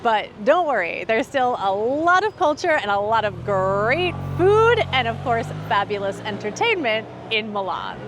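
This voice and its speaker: A woman's voice: on the high side, big pitch swings, unhurried, few pauses. A woman giving casual travel tips in a chatty, explanatory way, filming on city streets and in a car. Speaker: travel vlogger. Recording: outdoor street noise and crowd.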